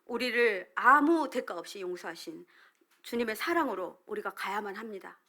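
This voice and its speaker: A middle-aged woman pastor giving a sermon with a personal testimony, moving between loud emphasis and hushed whispered asides. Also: mid-range voice, lively intonation, normal speed.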